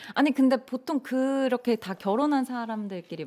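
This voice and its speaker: At a moderate pace, a woman speaks with a fairly high pitch and a dark, mellow tone. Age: 30s. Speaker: fashion model. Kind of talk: casual chat.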